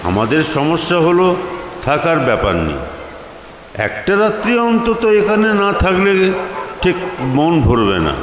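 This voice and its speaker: Male storyteller for audio drama, higher-pitched lively range, deliberate pauses, reverberant over music. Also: a little hiss or hum. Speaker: story narrator. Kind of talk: dramatic scripted narration. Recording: echoey reverb, music underneath.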